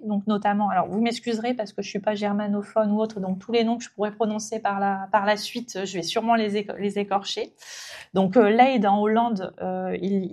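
A woman giving an unscripted guided presentation, pausing often with filler sounds as she explains. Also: medium pitch, a little mellow. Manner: hesitant, frequent filler pauses.

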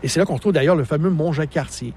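A man's voice: a little high, very fast, dark tone, breathy edge. A man in his sixties, a park naturalist from Quebec, explaining mountains and wildlife in a radio interview outdoors. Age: 60s.

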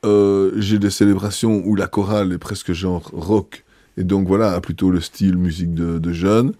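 A man, a bishop answering interview questions in a thoughtful, hesitant way with many pauses. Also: low voice, fairly even intonation, mellow, no echo, clean studio sound.

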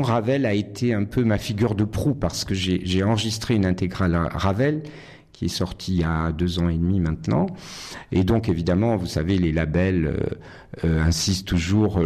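A middle-aged concert pianist from Nice, France, answers interview questions thoughtfully. His lowish voice is mellow, and his answers are full of pauses and restarts.

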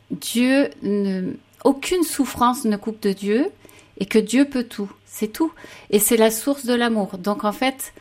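Soft-spoken woman, reflective faith testimony. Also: on the high side. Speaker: panel guest, mother of children. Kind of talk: personal faith testimony in conversation.

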